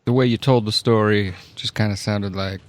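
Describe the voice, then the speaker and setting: A man's voice: on the low side, steady tone, moderate pace. A man playing a tabletop game, improvising casual in-character chat in an awkward, hesitant, wry way.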